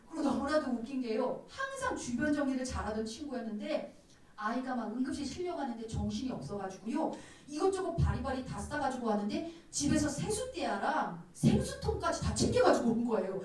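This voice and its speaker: A woman youth pastor giving a sermon to teenagers, telling stories in an animated way. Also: high voice, brisk. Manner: animated storytelling, acts out quoted dialogue. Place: church. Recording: very echoey room, distant mic.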